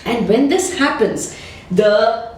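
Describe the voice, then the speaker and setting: Woman, chemistry teacher, lively intonation, very echoey room, far from the mic. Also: on the high side, takes it slowly, slight background noise. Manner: patient, step-by-step explaining with small restarts. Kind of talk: explanatory lesson.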